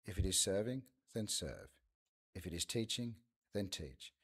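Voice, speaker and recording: Deep husky man reading scripture. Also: lively intonation, unhurried.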